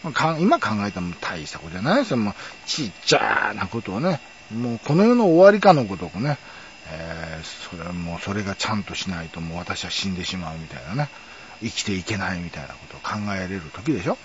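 A man's voice: on the low side, dull audio, a little hiss or hum. A man, hosting a casual, rambling monologue full of fillers. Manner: rambling, nostalgic storytelling with many fillers. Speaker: podcast host.

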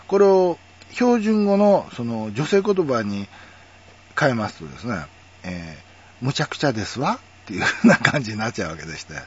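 A man's voice: on the low side, slightly rough. A man talking in a casual, musing monologue, full of fillers and asides. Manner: chatty, musing, lots of fillers. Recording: dull lo-fi audio.

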